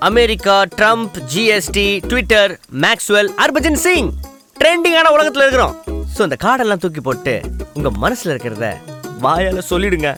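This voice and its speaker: A man's voice: sits high, sing-song, normal speed, pushed and bright, soft background music, heavily acted. A man acting a bashful, flustered comic lead in a film comedy, speaking with a Tamil accent.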